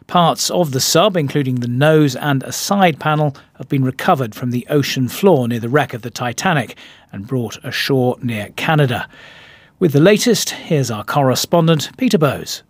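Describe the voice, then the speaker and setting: A man presenting the news in a measured, formal way and questioning a guest. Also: medium pitch, expressive, dry recording.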